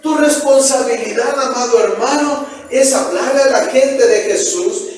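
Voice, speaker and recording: A male pastor with a Mexican Spanish accent preaching a lively sermon, asking his congregation questions and acting out the voices he quotes. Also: extremely high pitch, measured pace. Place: church hall. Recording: echoey church room, mic at a distance.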